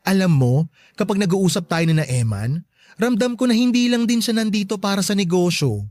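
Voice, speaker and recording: An actor playing a sassy, campy gay best friend in a Tagalog radio drama, teasing and bluntly caring, drawing out emphatic words. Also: male voice, high voice, expressive, fairly quick, a little mellow, no echo, studio quality. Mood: blunt, encouraging.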